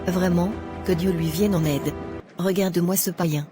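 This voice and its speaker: A woman's voice: on the low side, fairly even intonation, moderate pace, natural voice. A woman voicing a self-righteous, impatient young Christian woman in a cartoon, lecturing in a preachy way over music. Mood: indignant. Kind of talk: scripted cartoon dialogue. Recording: music behind the voice.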